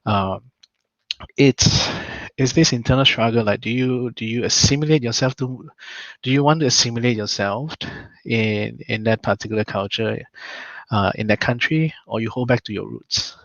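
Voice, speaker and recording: Gravelly man, reflective. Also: medium pitch, normal speed, a bit bright, no echo. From Malaysia. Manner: thoughtful, frequent "uh" hesitations. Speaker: panel guest. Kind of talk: reflective casual discussion. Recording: dull lo-fi dry sound.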